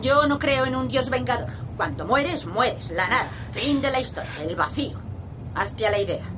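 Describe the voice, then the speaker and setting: An actress dubbing a blunt, foul-mouthed older grandmother who shouts and swears when worked up. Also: a little high, expressive, normal speed, background noise, natural voice. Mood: yelling impatient. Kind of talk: Spanish film dub.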